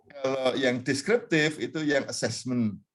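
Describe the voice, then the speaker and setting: A man's voice: medium pitch, unhurried. A middle-aged man, a university lecturer, explaining terms in a discussion, often repeating phrases and mixing in English words. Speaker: university lecturer, interview guest.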